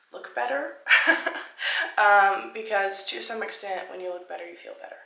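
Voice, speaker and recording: A woman speaks in a room with audible echo. Noticeable background noise runs behind her. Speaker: lifestyle vlogger. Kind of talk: vlog narration. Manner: casual, many fillers.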